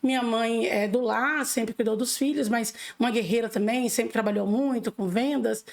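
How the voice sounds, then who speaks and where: Earnest woman with a high voice. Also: normal speed, vocal fry. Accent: Brazilian Portuguese. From Bahia, Brazil, raised in Minas Gerais. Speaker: political candidate, interview guest. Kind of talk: casual interview talk.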